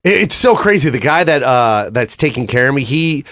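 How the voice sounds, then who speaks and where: Animated middle-aged man, lively storyteller. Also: medium pitch, normal speed, no echo, clean studio sound. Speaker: comedian guest. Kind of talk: casual studio chat. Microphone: studio microphone.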